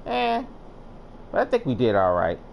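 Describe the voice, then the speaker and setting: A man gives casual gameplay commentary as a streamer. His mid-pitched voice moves up and down a lot, with faint game noise behind it. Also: wildly swooping pitch, moderate pace, vocal fry, highs cut off.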